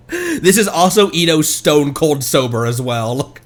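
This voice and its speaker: A man streaming a video game playthrough, chatting casually in an animated way and swearing freely. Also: a little high. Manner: animated, swears, laughs readily. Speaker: streamer, vtuber. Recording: game music behind. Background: video game music.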